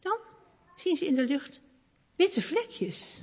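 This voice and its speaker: A woman reading a children's story aloud in a warm, expressive, lingering way. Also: high voice, slow. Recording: long hall reverb.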